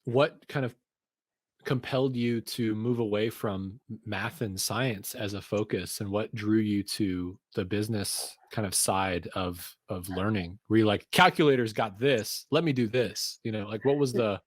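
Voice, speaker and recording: A man's voice: lowish voice, fairly even intonation, unhurried, no echo. A man co-hosting a podcast, chatting in an eager, playful way. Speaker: podcast co-host. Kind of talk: casual podcast conversation.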